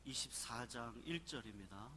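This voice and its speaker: A man reading scripture aloud in church, announcing verses and leading the reading in a measured, formal cadence. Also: medium pitch, animated, sharp tone, slight background noise. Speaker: scripture reader. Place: church sanctuary.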